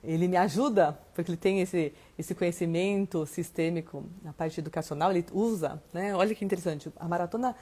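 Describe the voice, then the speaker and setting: A woman hosting a live stream, chatting and answering viewers' comments, tagging nearly every phrase with a quick question. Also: lowish voice. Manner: greets viewers by name warmly and lively. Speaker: host of a live stream on family systems.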